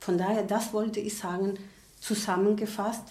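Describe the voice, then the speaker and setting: A somewhat breathy, dark, mellow voice with a Spanish accent, fairly even intonation, and audible room echo. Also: woman. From Chile. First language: Spanish (speaking German). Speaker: artist. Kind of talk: radio panel discussion.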